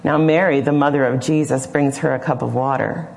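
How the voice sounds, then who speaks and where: A woman preacher retelling a scripture story slowly and imaginatively, often pausing to question the listener. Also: very deep voice, fairly even intonation, creaky, slight background noise. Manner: slow, imaginative, gently questioning. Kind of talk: storytelling sermon.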